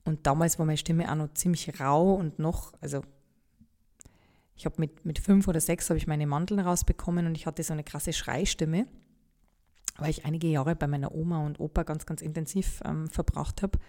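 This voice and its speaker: A woman's voice: low voice, fairly even intonation, moderate pace, warm tone. A young woman from the Upper Palatinate with a light Bavarian accent, candidly telling her own story on a podcast, with many fillers and restarts. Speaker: podcast host.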